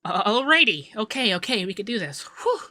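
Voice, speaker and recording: Bright, flustered young femboy tax man, acted by a man. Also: high voice, very animated, fairly quick, no room sound, full character voice. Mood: flustered, businesslike. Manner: stammering, shy, teasing. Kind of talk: ASMR roleplay, acted straight to the listener.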